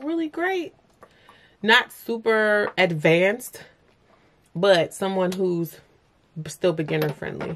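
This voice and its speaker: The woman's intonation is lively and her pace fairly slow. There is light background noise. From New York City. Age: 40s. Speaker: beauty vlogger. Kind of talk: makeup tutorial. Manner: casual, rambling with fillers. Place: home room.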